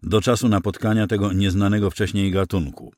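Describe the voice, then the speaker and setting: A man's voice: fairly low pitch, fairly even intonation, fairly quick, a little mellow, no echo, studio quality, lightly acted. A man voicing a weary, gloomy fleet admiral who answers in a heavy, subdued, matter-of-fact way. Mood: grim, explaining.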